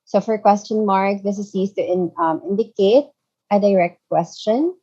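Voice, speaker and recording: A woman's voice: medium pitch, moderate pace, dark tone, breathy edge, muffled recording. A woman teaching an online English grammar lesson, patient, often checking in with "okay" and "so there.". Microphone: video call.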